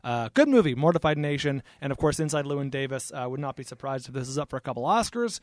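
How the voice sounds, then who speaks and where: A man co-hosting a podcast, chatting casually and quickly about films. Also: mid-range voice, very animated, no room sound, studio quality. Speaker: podcast co-host. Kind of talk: casual movie recommendation.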